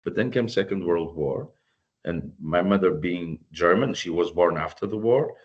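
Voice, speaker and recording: A man's voice: sits low, normal speed. A man from Portugal with a Portuguese accent speaking English as a guest on an online panel, earnest and often restarting or repeating words. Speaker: guest volunteer. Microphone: video call. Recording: dull lo-fi video call audio.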